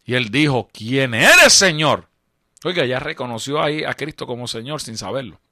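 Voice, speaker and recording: A man's voice: medium pitch, fast, fairly bright tone, no echo, clean studio sound. A man preaching a radio sermon with a Puerto Rican accent, building his points through emphatic repetition and chuckling often. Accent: Puerto Rican Spanish. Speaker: evangelist preacher. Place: radio studio.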